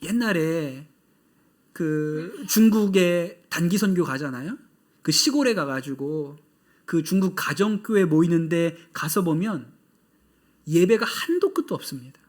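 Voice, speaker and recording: Male pastor, sermon delivery, high pitch, earnest and conversational. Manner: earnest and conversational, repeating key phrases for emphasis.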